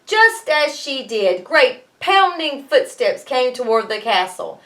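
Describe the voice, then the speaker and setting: A woman teacher reading a storybook aloud to students in an expressive way, pausing to explain things. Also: high voice.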